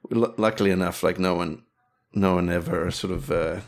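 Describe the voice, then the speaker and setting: Deep-voiced man in a rambling chat. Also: steady tone, normal speed. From South Africa. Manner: rambling, many restarts and fillers. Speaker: guest, director and animator. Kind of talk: casual interview chat.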